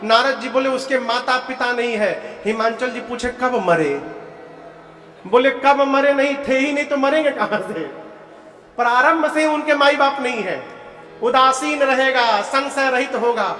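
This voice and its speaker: A man with an Eastern Uttar Pradesh accent preaching a devotional sermon, telling the story, questioning the audience and chanting verses slowly. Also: very high voice, bright, forceful tone. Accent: Eastern Uttar Pradesh (Purvanchal). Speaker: kathavachak preacher. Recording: echoey hall with faint music.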